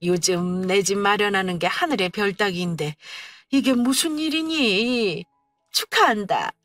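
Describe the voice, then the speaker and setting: A woman putting on a shrill, bossy older mother-in-law who nags and guilt-trips without letup, her bright, raised voice cutting through a dry, close recording. Faint music plays beneath this storybook scene. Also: unhurried, no room sound, lightly acted. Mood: fussing. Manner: shrill, scolding and guilt-tripping.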